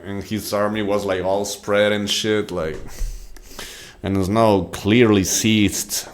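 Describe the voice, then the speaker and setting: A man's voice: lowish voice, little pitch movement, slow pace. A man casually reacting to a match on stream, with loose slangy talk. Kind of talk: casual chat.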